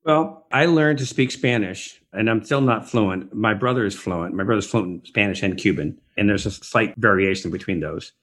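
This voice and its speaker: A man's voice: lowish voice, normal speed, few pauses, fairly bright tone. A middle-aged man as an interview guest, talking in a rambling, reflective way with frequent restarts. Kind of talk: conversational podcast interview. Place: Los Angeles area.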